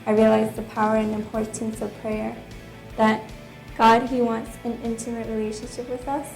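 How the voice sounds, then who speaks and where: A woman's voice: fairly high pitch, level tone, moderate pace, creaky, a little mellow, reverberant, faint music behind, rough recording. Earnest woman giving a testimonial. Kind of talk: testimonial interview.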